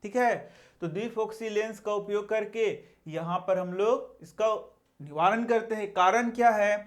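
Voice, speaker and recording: High-voiced man teaching science. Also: unhurried. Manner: asks questions and answers them himself. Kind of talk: Hindi classroom lesson.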